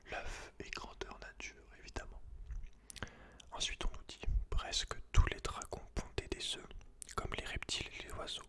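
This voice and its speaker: A man speaking in a breathy, unvoiced whisper, reading aloud in an ASMR style with informal, soft-spoken asides to the listener. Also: moderate pace. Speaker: ASMR video creator.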